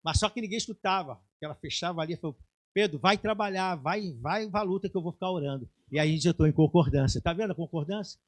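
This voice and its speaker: A middle-aged man preaching in a church sanctuary, his voice sitting high for a man. He tells his story quietly and then rises to loud, shouted exhortation. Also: fast talker. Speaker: pastor. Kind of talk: sermon with personal testimony.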